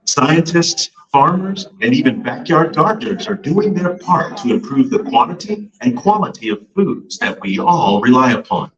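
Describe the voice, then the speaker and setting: Polished male announcer, upbeat and lively in pitch, played through a distant outdoor ride loudspeaker. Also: moderate pace, few pauses. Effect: recorded narration played over an outdoor boat-ride loudspeaker. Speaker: ride narrator. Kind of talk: scripted narration. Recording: muffled, distant loudspeaker heard from a boat.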